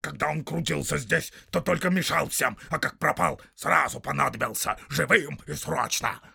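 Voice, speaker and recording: Guy putting on a whiny mean little orc, snippy and raspy. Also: a little high, moderate pace, bright, forceful tone, no room sound, studio quality, pitched above the performer's own voice, exaggerated voice. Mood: snarling. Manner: whining, snarling, mocking. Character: small spiteful male orc tracker, sneering.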